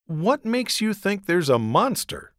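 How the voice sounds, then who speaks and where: A man's voice: high voice, takes it slowly, no echo, studio quality, voice pushed up, full character voice. A man voicing a serious fifth-grade boy scientist who speaks carefully and formally. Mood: earnest. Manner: careful, formal, trying to sound calm.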